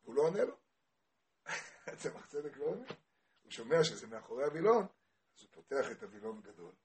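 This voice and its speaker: A man giving a Torah lesson, telling a Hasidic story and asking his listeners questions, growing loud and impassioned. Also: mid-range voice, a little hiss or hum. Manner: animated, asks the audience questions, grows loud and impassioned. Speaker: Torah teacher.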